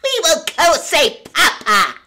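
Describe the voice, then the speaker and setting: Bratty little turtle-monster villain, cartoon style, very high voice, bright and sharp, childish taunting. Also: male voice, huge pitch swings, takes it slowly, exaggerated voice. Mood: determined. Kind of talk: cartoon voice audition.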